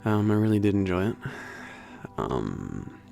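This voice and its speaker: A man playing a laid-back, slightly gruff young werewolf trainer in a casual ASMR roleplay, talking in a halting, informal mumble that trails off. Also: deep voice, very animated, full character voice. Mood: relaxed, nostalgic. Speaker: workplace trainer. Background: soft background music.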